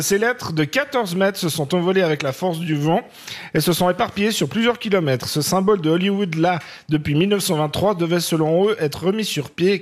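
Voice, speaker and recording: A male comedian telling a mock-serious made-up story, dropping sarcastic asides. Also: high voice. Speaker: comedian panelist. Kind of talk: comic storytelling.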